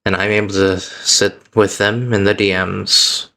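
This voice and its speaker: A man streaming as a VTuber, giving a heartfelt personal speech to his chat in an earnest, reflective way, with halting restarts and an uneven pace. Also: lowish voice, level tone, gravelly, bright, forceful tone.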